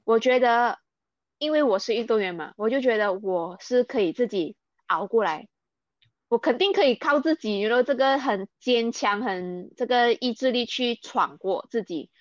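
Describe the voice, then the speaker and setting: A woman's voice: on the high side, lively intonation, normal speed, no room sound, muffled recording. A young Malaysian woman speaking Mandarin with a Malaysian accent, earnestly recounting things in an interview and mixing in English words. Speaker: interview guest, athlete. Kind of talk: candid interview.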